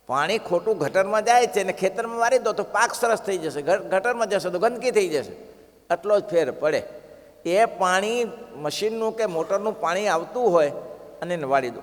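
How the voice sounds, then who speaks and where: A man delivers a devotional sermon with a high voice, telling stories and going back over his points for emphasis. His voice carries a long reverb from a large hall. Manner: storytelling, repeats phrases for emphasis, chants verses. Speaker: preacher giving a scripture discourse.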